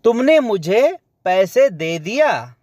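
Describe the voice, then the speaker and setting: A man's voice: sits high, big pitch swings, slow, a little mellow, no room sound, clean studio sound. A man teaching spoken Arabic phrases, repeating each one and explaining it word by word. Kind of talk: slow spoken-phrase lesson.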